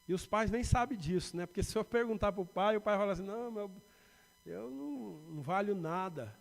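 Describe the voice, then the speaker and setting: A man with a São Paulo Brazilian accent preaches from the pulpit. His voice sits fairly high, rising on emphatic lists and sinking into quiet personal asides. The sound carries a long reverb from the church hall. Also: fairly quick, creaky. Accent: Brazilian Portuguese, São Paulo. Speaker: pastor. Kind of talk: sermon. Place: church sanctuary.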